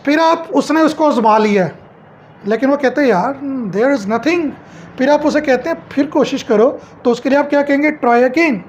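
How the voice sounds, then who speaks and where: A woman's voice: high voice, moderate pace, a little mellow, dull audio, a little hiss or hum. A middle-aged woman at home teaching English phrases, asking each one back as a question and then answering it.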